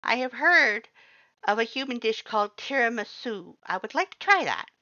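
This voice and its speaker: A woman plays an excitable, vain skeleton man from a fan-made storybook, pitched well up from her own voice. He is bossy yet kind and declaims everything loudly and theatrically. The audio is a little dull. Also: normal speed. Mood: hopeful. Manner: loud, emphatic, theatrical exclamations.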